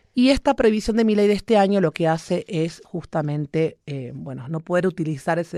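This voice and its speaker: A woman with an Argentine accent talks fairly quickly with lively intonation, her tone dark and mellow at a fairly low pitch. The recording is very clean with a silent background and a dry, close sound with no echo. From Argentina. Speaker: academic in international relations. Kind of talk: radio interview.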